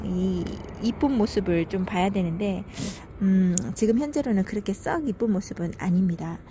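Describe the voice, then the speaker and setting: Slight background noise accompanies this succulent gardening vlogger as she casually narrates while filming her plants. Her voice is mellow and medium in pitch, and she talks warmly and chattily about every plant on her home veranda, sighing softly now and then.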